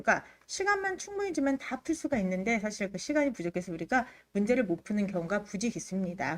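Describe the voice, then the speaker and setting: A woman instructor hosts a live exam-prep lecture with very animated, swinging intonation. She speaks at a medium pitch in an emphatic, conversational manner. Her throat is a little under the weather from allergies. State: allergy-affected throat, occasional coughing. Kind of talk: livestream lecture, addressing students.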